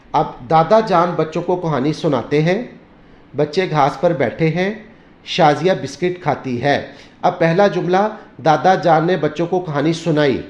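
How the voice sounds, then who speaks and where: Man, teacher, step-by-step explanation, slightly high voice, roomy dull recording. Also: a little mellow. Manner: explains step by step, repeating sentences slowly. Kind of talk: classroom lesson explanation. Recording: echoey room, dull lo-fi sound.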